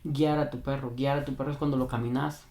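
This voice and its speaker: A man's voice: medium pitch, flat delivery, fast, darkish tone. A man working as a dog trainer, earnestly explaining advice to a viewer and repeating his key points for emphasis. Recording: roomy echo.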